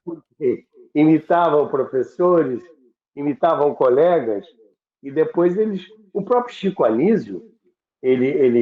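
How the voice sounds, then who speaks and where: An older man from Rio, a radio veteran who hosts a program, reminisces about radio history in conversation. His somewhat high voice comes through roomy and phone-like, and he speaks unhurriedly, halting and repeating words.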